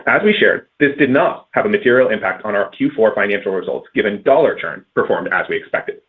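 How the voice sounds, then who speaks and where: A man reading a scripted earnings call presentation as a company finance executive, in measured corporate phrasing with stressed transitions. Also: lowish voice, animated, slightly rough, narrow, tinny audio.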